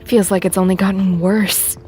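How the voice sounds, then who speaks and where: An actress playing Snow White, a weary, guarded and sardonic deputy mayor with a dry, wry manner, in an audio drama. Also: female voice, mid-range voice, level tone, normal speed, a little mellow, soft background music, natural voice. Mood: weary, bitter.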